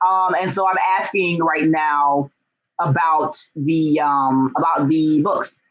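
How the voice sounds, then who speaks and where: A young man hosts a casual livestream about books in a fairly high voice. He talks in a gushing, excitable way, with lots of slang. The sound is a bit dull and lo-fi. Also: takes it slowly. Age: young adult. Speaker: book vlogger and writer hosting a livestream. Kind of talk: casual, chatty livestream talk.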